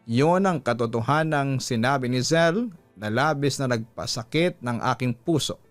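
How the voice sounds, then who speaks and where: A man with a Filipino accent narrating a scripted story in a dramatic radio storytelling style. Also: mid-range voice. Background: background music.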